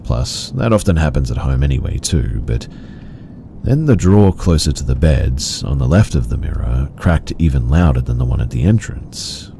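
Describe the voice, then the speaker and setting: A man narrating first-person horror stories in a slow, measured, somber way. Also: a bass voice, animated, creaky, background noise.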